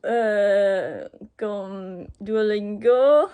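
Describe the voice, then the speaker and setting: A young woman with a German accent speaks slowly in halting beginner sentences, with frequent pauses, fillers and self-corrections, and laughs often. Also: medium pitch, dark tone, clean tone. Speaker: language learner. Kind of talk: unscripted video message to her boyfriend.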